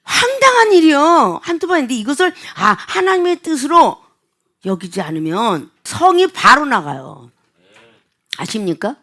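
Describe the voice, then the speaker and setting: A middle-aged woman pastor preaching with a high voice that swings widely in pitch. She tells everyday stories and acts out the dialogue in them. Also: unhurried. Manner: animated storytelling with acted-out dialogue. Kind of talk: sermon.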